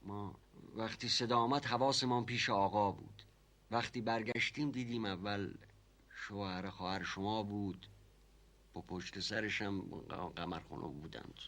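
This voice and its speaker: A man's voice: lowish voice, fairly even intonation, fairly bright tone, natural voice. Mash Qasem, a man playing a stammering old servant. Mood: hesitant. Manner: stammering, evasive, fond of repeating himself. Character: humble hesitant older male household servant. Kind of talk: TV period comedy drama.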